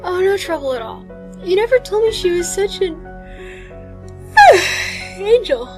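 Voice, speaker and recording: A woman's voice: very high voice, very animated, a little slow, music in the background, exaggerated voice. A woman playing a sweet, timid fourteen-year-old babysitter in an amateur audio drama. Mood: friendly, tired.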